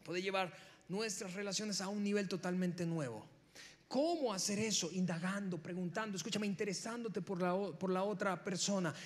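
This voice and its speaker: Mexican preacher guy, high voice, keeps repeating words for emphasis, long reverb like a big hall. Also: normal speed. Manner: emphatic, repeats key words, addresses listener directly. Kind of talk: sermon.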